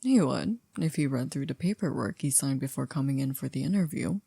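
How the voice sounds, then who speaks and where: Woman voicing a polite servant, husky, close and dry-sounding, measured, wry, ASMR roleplay. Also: rumbling low, animated, dark tone, dry recording, exaggerated voice. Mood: dry, formal. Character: composed, formal, dryly teasing female household servant.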